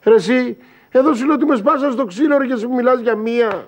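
A man's voice: fairly high pitch, expressive, darkish tone. An actor playing a battered, whiny husband who sulks in pain and pleads with his wife, in a TV sitcom. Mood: pleading. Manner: plaintive and pleading, with sudden yelps of pain. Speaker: actor in a TV comedy series. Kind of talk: sitcom acting. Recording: dull broadcast audio with background noise.

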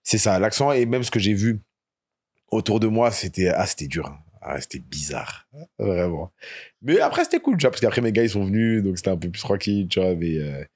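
A young man from France tells his stories as a guest on a podcast. His pitch leaps around as he talks, and he laughs often and swears casually. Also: sing-song, brisk, darkish tone.

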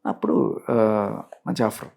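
A man in his thirties, a radio jockey, telling his story in a soft-spoken, anecdotal way during a casual interview. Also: a little slow. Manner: soft-spoken, anecdotal, mixes in English words.

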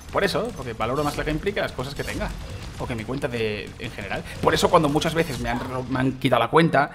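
Fast-talking gamer man. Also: mid-range voice, a bit bright, a little hiss or hum. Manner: rambling, repeats himself, addresses viewers as chicos. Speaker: gaming YouTuber. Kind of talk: casual gameplay commentary.

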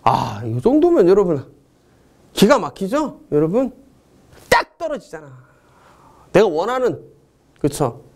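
A man's voice: high-pitched, measured pace, long pauses. A middle-aged man teaching a history exam-answer lecture, joking and chatting with his students between questions. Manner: jokey, excitable, chatty asides to students.

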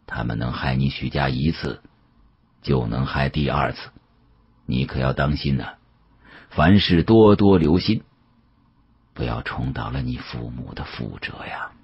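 Man voicing a very deep, husky old patriarch. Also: muffled recording, full character voice. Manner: measured, sighing, avuncular. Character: kindly, shrewd old family patriarch, measured.

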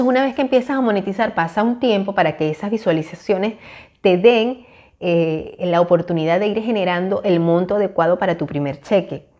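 A woman in her forties speaks straight to camera through a lapel mic in a small room. Her voice is warm and mellow, earnest and encouraging, with hesitant fillers between her thoughts. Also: mid-range voice. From Venezuela. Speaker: YouTuber. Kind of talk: casual talk to camera.

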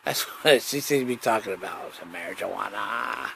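A man's voice: lowish voice, animated, moderate pace, creaky, fairly bright tone, a little hiss or hum. A man chatting casually on his own as a podcast host, folksy and digressive, often circling back to repeat his phrases. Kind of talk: rambling casual solo chat.

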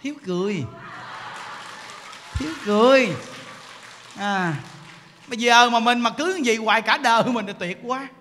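A man, a Buddhist monk, giving an animated, joking dharma talk and acting out people's voices. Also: extremely high pitch, normal speed, pauses often, slight background noise. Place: temple hall. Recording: hall reverb with faint ambience.

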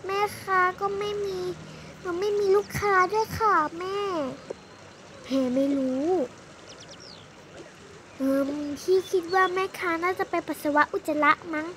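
A young girl improvises a playful dollhouse roleplay drama for a toy video, voicing every family member's dialogue herself. Her voice is very high-pitched and a little slow, with frequent pauses, and there is background noise.

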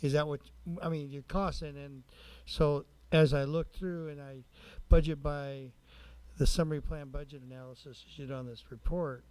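A male city council member questioning at a public meeting, halting and often rephrasing mid-sentence. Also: a little high, fairly even intonation, a little mellow, clear, resonant tone.

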